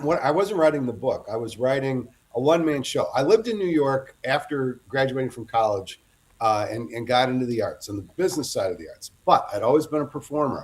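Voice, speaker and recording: Middle-aged guy guest author, rambly storyteller, keeps restarting his sentences, medium pitch. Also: a little mellow. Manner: rambling anecdotal storyteller, self-interrupting. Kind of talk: casual interview chat.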